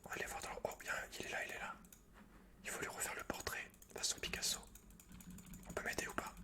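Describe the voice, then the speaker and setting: A man's voice: fast, bright, forceful tone. A man whispering casual, slangy ASMR gameplay commentary close to the mic in a teasing way. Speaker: gaming ASMR host. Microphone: close microphone. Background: computer keyboard typing.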